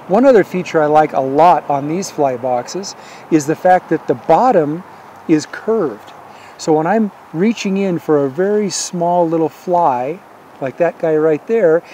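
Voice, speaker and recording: An older man with a fairly high but mellow voice walks through his fishing gear in a plain, patient way, with the odd "uh" along the way. He sits at a table outside by a river, with faint outdoor noise behind him. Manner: plain, patient, hands-on explaining with fillers. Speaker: fly fishing instructor. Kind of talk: explaining gear to camera.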